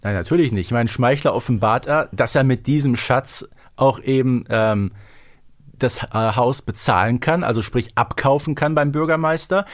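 Playful man with a mid-pitched voice. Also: moderate pace. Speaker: podcast co-host. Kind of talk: conversational episode recap.

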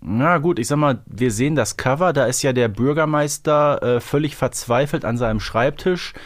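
A man's voice: mid-range voice, normal speed, dry recording, clean studio sound. A man in his forties co-hosting a podcast in a casual, conversational style. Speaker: podcast co-host. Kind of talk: casual chat.

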